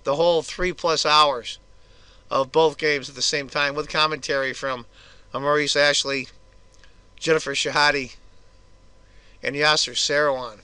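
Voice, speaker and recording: Hoarse man commenting on chess. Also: on the high side, steady tone, unhurried, long pauses, bright, forceful tone, dry recording. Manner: casual, chatty move-by-move analysis. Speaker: chess video host.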